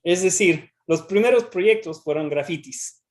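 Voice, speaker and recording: Man speaking careful, halting Spanish. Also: high voice, lively intonation. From United States. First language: English. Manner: halting, frequent restarts and repeated words. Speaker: researcher presenting. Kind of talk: academic talk and Q&A.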